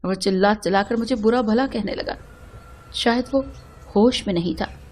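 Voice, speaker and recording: Female storyteller, mid pitch, earnest emotional first-person narration. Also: normal speed, darkish tone, a little hiss or hum.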